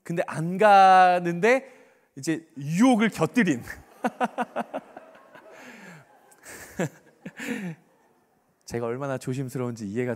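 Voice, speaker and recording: A male pastor preaching a sermon in a church, animated, repeating words for emphasis and sometimes dropping to a whisper. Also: medium pitch. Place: church sanctuary. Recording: reverberant church hall.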